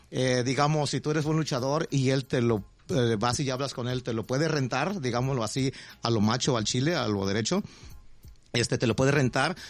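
With music in the background, a man talks at medium pitch and a very fast pace, his pitch varying in an ordinary way. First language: Spanish. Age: 50s. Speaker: professional wrestler. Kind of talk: interview.

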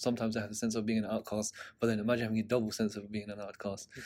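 Talking very fast, a man delivers his words in a monotone, flat intonation with a fairly low pitch. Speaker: podcast co-host. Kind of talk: casual chat.

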